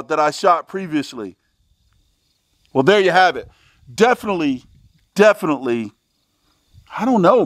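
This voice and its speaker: Higher-voiced American man, folksy range host. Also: dry recording, studio quality. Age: middle-aged. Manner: folksy, exclamatory, addresses viewers as folks. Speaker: host of a shooting range video channel. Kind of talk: casual commentary to viewers while target shooting. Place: outdoors at a covered shooting range.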